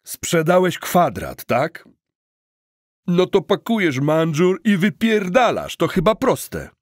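A man's voice: sing-song, takes it slowly, dry recording, clean studio sound, exaggerated voice. A man voicing a hulking, crude thug of a debt collector in an audiobook, curt, slangy and threatening. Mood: aggressive. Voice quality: booming.

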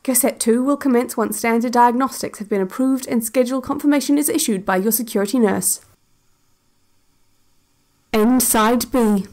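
An actress playing a calm, cryptic female narrator of an institute's relaxation cassette, speaking in deliberate, hypnotic phrases. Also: fairly high pitch, close to an everyday voice. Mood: calm, instructive. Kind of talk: scripted guided-meditation narration.

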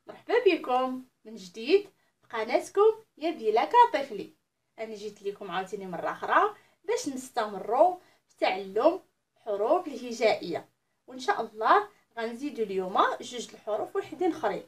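A woman with a Moroccan Arabic accent teaching the alphabet to young children. She calls out each letter loudly and drags it out for them to repeat. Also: fairly high pitch, sing-song, brisk, far from the mic.

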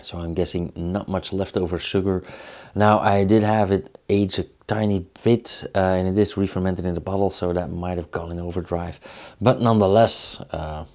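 Belgian man in his thirties, Dutch first language, unhurried beer reviewer with a low, gravelly voice. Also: steady tone, darkish tone. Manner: slow, thoughtful, with many fillers. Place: small indoor studio with beer signs.

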